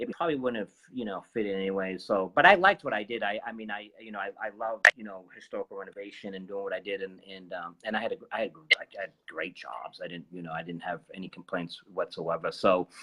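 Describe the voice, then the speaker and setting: With a Boston accent, a man talks at a very fast pace with hardly any pauses and big swings in loudness. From Boston area, Massachusetts. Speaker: martial arts instructor. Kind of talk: interview conversation. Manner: halting, many false starts.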